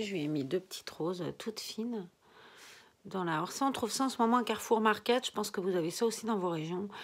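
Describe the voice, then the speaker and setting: A woman's voice: medium pitch, husky. An older woman chatting casually to her viewers from a nursery room at home, rambling and often dropping to a whisper. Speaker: reborn doll collector vlogger.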